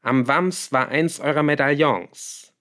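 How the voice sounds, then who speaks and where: A man voicing a sharp, defiant young male apprentice in an audiobook, asking pointed questions. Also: on the high side, takes it slowly, voice pushed up. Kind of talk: audiobook character voice.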